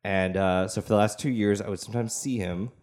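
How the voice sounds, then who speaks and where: A young adult man co-hosting a casual podcast, telling stories with dry, deadpan jokes. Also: on the low side, a little fast. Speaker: podcast co-host. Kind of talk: casual chat.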